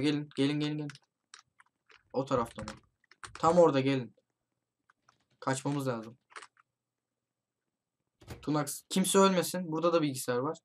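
Man excitedly commentating a horror game. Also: fairly high pitch, slight background noise. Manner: hurried, shouts warnings to teammates. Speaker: gaming YouTuber. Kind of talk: excited let's-play commentary with friends.

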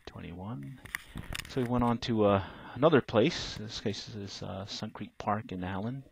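A middle-aged man, a fishing vlogger, narrates his fishing trip in a casual voice-over, laid-back and plain-spoken with lots of "uh" fillers. His voice is fairly low and creaky at a normal speed. The audio is poor, with a little hiss or hum.

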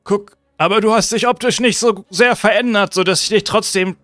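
A man voicing a decayed zombie uncle who pleads with a hoarse, strained voice, repeating the boy's name and restarting his sentences. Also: high voice, normal speed, fairly bright tone, no room sound, soft background music. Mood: coaxing. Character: undead zombie uncle, decayed, coaxing and weary.

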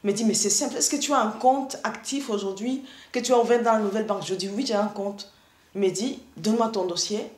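A woman's voice: mid-range voice, a little mellow. Earnest woman testifying in an echoey room. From Rwanda. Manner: earnest, halting with many restarts. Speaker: testifying church member. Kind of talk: spoken testimony. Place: indoor room, seated in armchair.

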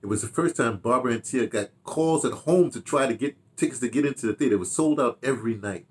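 An American man in his seventies reminiscing casually to camera in an animated, rambling way, with repeated phrases and asides. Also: mid-range voice, fast. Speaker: audio dramatist and theater director telling his memoirs. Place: small home study, indoors.

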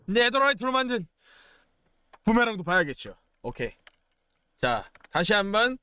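A young man narrates his gameplay in a casual, joking way. His voice sits high and swoops up and down with lots of animation. He chants little words and shouts excitedly at what happens on screen. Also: moderate pace, clean tone, no echo. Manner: playful, chatty, exclaims and chants while playing. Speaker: gaming YouTuber. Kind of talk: casual game commentary.

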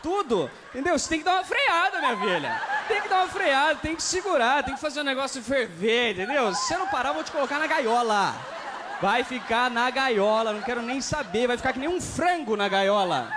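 High-pitched young Brazilian man doing stand-up. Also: fairly quick. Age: young adult. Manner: animated, exclaiming, repeats phrases. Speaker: stand-up comedy contestant. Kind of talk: improvised stand-up comedy. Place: TV studio stage with live audience. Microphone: handheld. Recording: noisy studio with audience laughter.

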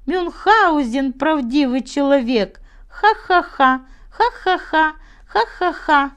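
Storybook heckler played by a woman, mocking and incredulous, high pitch, swooping intonation. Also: lively intonation, takes it slowly, highs cut off. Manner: incredulous, exclaiming. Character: scoffing, mocking listeners of tall tales.

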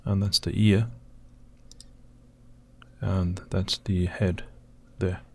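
Slow, croaky-voiced man narrating footage. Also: sits low, little pitch movement, a little mellow. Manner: hesitant, pausing often with fillers. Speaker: video host analysing footage. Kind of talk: slow screen-recorded commentary.

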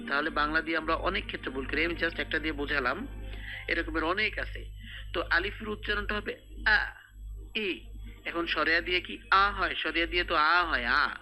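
A man teaching Quran reading in a recorded lesson, patiently explaining each sound step by step and repeating it slowly. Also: fairly high pitch, sharp tone, poor audio.

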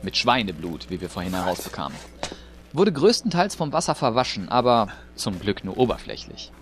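A man's voice: on the low side, big pitch swings, a little fast, slight background noise. A man playing an easygoing police forensic technician in a crime audio drama, explaining in a matter-of-fact way. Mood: intrigued.

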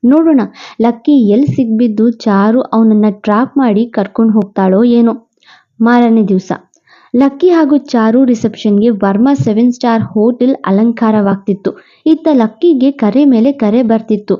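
A woman narrating a romance story and voicing every character in an expressive, quick reading. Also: on the high side, highs cut off. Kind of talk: storybook narration with voiced dialogue.

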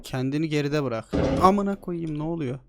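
Brief: slightly high-voiced male streamer, jumpy and profane horror-game commentary. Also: normal speed, creaky. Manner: excitable, swears a lot, jokey. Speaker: gaming streamer. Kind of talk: let's play commentary.

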